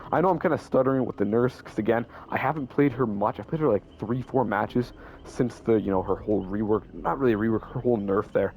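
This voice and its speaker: A man's voice: on the low side, fast talker, highs cut off. Rambling young man explaining game builds. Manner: rambling, self-correcting, stutters. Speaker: gaming YouTuber. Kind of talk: casual game commentary.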